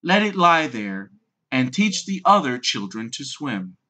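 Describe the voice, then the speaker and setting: Narrator as a bossy old duck, very animated. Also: medium pitch, measured pace, heavily acted. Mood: bossy, insistent. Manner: opinionated, insistent. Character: bossy, know-it-all old visiting duck.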